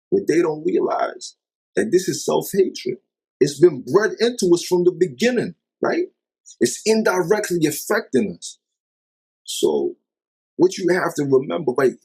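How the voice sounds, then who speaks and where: A man speaks in a husky, slightly rough voice of middling pitch, delivering an emphatic vlog monologue. He presses his points hard and throws out rhetorical questions with open exasperation. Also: darkish tone, low-quality recording. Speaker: vlogger. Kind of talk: impassioned commentary monologue.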